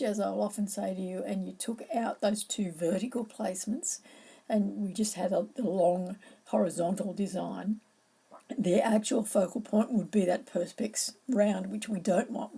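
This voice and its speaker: Middle-aged woman, croaky husky voice, explaining floral design slowly and carefully. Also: mid-range voice, mellow, low-quality recording. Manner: measured, explanatory, with pauses. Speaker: floral art presenter. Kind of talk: educational talk.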